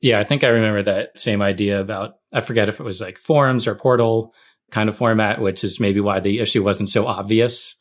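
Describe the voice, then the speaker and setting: A man's voice: on the low side, steady tone, brisk. A man co-hosting a podcast, chatting casually and telling anecdotes as a storyteller who quotes himself. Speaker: podcast host.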